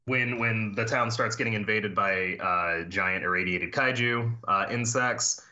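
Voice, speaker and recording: A man with a very low voice and a sharp, forceful tone. He is a comic book writer, a guest on a podcast. He talks in a halting way, full of fillers and restarts. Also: highs cut off. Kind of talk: casual podcast interview.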